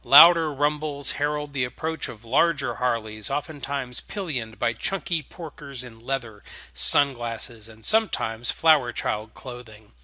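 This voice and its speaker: A man's voice: medium pitch, unhurried, hardly any pauses, bright, forceful tone, no echo. A man reading scripted story narration in a theatrical manner.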